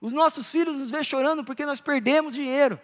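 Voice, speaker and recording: A male pastor with a very high voice, preaching a sermon in a big church. He presses hard on his key points and then drops soft and low to tell a story. The sound rings with a long hall echo. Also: a little fast. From Brazil. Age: adult with a child. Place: church auditorium.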